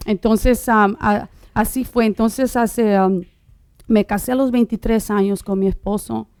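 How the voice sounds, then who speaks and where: A middle-aged woman born in Uruguay telling her personal testimony in conversation, halting, with many fillers and restarts. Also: medium pitch, fairly even intonation, darkish tone, no room sound, clean studio sound. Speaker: guest sharing her testimony.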